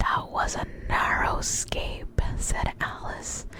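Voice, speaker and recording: Noticeable background noise sits under very slow whispering. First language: not English. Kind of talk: whispered ASMR book reading. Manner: whispered.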